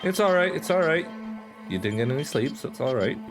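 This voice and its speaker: A man's voice: on the high side, lively intonation, a little fast, over music. Stammering game master man. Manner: stammering restarts, casual rulings. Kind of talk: running a tabletop game.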